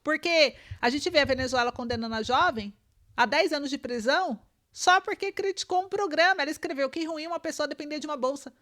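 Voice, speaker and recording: A Brazilian Portuguese-accented woman delivers online political commentary, reading news aloud to her viewers. Her voice sits high and sounds bright and sharp. She talks emphatically, pushing rhetorical questions at her audience. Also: fairly quick.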